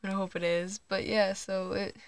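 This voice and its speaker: Hesitant, soft-spoken teen trans guy. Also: high-pitched, level tone, moderate pace, smooth, no room sound. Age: teens. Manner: hesitant, with nervous laughs and restarts; hushed late-night talking. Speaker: vlogger. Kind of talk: casual personal vlog. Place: under a bed at home, indoors. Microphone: phone camera.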